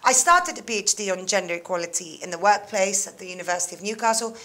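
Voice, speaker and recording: Bright, lively woman interview guest. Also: mid-range voice, fast talker. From England and Greece. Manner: animated, laughs often, many fillers. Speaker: interview guest, mentoring manager. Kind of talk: casual chat.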